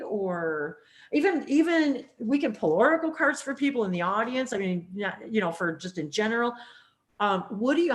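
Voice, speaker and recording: A woman hosting a spiritual interview, talking in a rambling, animated way with plenty of fillers. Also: medium pitch. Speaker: host. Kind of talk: casual spiritual interview chat.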